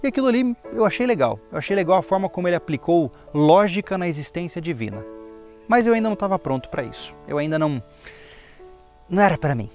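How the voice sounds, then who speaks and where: A man's voice: high voice, sing-song, fast, darkish tone, faint music behind. Earnest man telling his faith story. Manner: rambling, thinking aloud with many fillers and restarts; emotional, earnest. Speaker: testimony speaker. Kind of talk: personal testimony, casual storytelling. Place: outdoors, insects and a plane audible.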